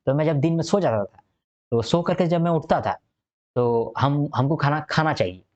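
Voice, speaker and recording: A man's voice: fairly high pitch, expressive, moderate pace, darkish tone, lo-fi sound. A male teacher giving a recorded exam-prep lecture. He explains step by step, repeats key points and keeps checking that listeners follow.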